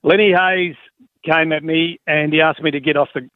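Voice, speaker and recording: A middle-aged Australian man, a former football coach, telling stories as a radio guest in an animated, wry way. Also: fairly high pitch, normal speed, no room sound. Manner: animated storyteller, wry and fired up. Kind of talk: casual radio interview. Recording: dry tinny phone line.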